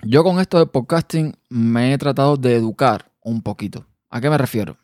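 A man with a Cuban accent hosting a personal podcast monologue, a quick talker who sometimes trips over his words. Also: mid-range voice, darkish tone, no room sound, studio quality. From Cuba. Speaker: podcast host.

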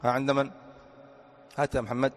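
A man's voice: mid-range voice, little pitch movement, fast talker. A man, a sheikh, teaching an Arabic grammar class, repeating each point and quizzing his students with questions. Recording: long hall reverb.

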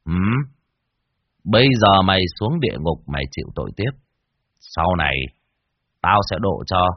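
A man voicing a calm, stern young exorcist who speaks with quiet command. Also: sits low, normal speed, no echo, muffled recording.

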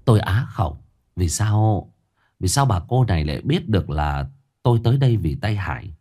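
Low-voiced man telling a ghost story. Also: expressive, normal speed, mellow. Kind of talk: first-person ghost story narration.

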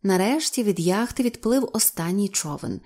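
Lady reading a novel aloud, steady expressive storytelling. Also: medium pitch, normal speed. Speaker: audiobook narrator. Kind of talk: storybook narration.

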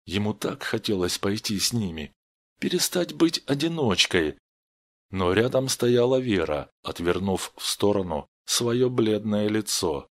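A man reading a story aloud with expressive narration. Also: on the low side, unhurried. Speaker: audiobook narrator.

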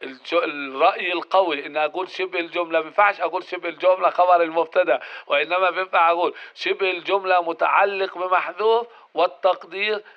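A man's voice: high voice, fairly even intonation, fast. A man teaches grammar, working through each point in order. He puts questions to the class and answers them himself. The recording sounds dull and lo-fi. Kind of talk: explanatory grammar lesson.

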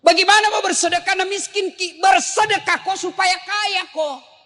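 A male preacher with a very high, bright and forceful voice delivers an animated, joking sermon. He throws rhetorical questions at his listeners and bursts into shouts. His voice rings with the long reverb of a big hall. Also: normal speed. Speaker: Islamic preacher.

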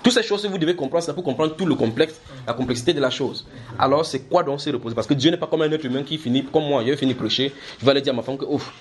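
A man's voice: fairly high pitch, fast talker. A man preaching a Bible teaching at a house church, asking his listeners questions and repeating their answers.

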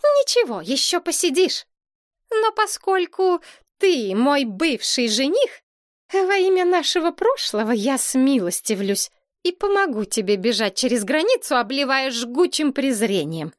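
A bossy little princess, all indignation and high-pitched scolding, as a woman reading a storybook puts her on. Her voice leaps and swoops with theatrical outrage. The sound is dry and close to the mic. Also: big pitch swings, measured pace, dry recording. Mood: haughty. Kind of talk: audiobook character voice.

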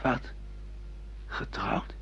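A man's voice: very slow, fairly bright tone, in a whisper. A man acting a bewildered, sardonic middle-aged amnesiac husband in a Dutch radio play, with theatrical, ironic delivery. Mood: polite, bewildered. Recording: muffled lo-fi radio play recording.

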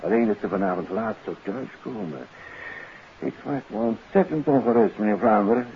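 Low, creaky-voiced, anxious doctor father. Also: sing-song, normal speed. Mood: anxious, distressed. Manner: hesitant, apologetic, often tagging sentences with questioning particles. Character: anxious middle-aged father, a polite, troubled doctor. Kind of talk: 1950s radio drama acting. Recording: noisy, muffled old radio recording.

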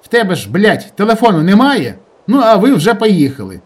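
Brash young village guy, loud, high and lively, blunt and crude, put on by a male reader. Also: brisk, breathy edge, full character voice. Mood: urgent. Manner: blunt, agitated, crude slang. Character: rough, swearing young village guy, restless.

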